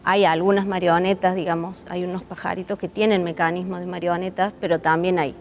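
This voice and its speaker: A woman's voice: lowish voice, little pitch movement, fairly quick, slight background noise. A woman with a Córdoba Argentine accent answering interview questions conversationally, thoughtfully searching for words and rephrasing as she goes. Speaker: interviewed puppet theatre artist.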